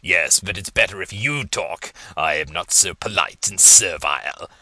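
A man's voice: low-pitched, measured pace, creaky, sharp tone, heavily acted. A man voicing a pushy male inner voice that speaks in a guttural growl, blunt and commanding.

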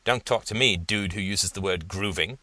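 A wisecracking young guy, sarcastic and teasing, tossing off jokes at his friend in a storybook reading, as a man voices him. The tone is bright and pushy, with a dry, close sound. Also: low voice, normal speed, no echo. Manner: sarcastic, joking.

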